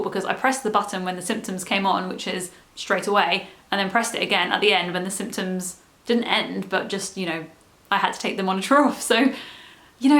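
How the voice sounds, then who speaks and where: Woman, croaky strained voice, casual vlog chat, talkative with fillers. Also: mid-range voice, a bit bright. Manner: chatty and explanatory, with many fillers. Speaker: vlogger. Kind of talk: casual talk to camera.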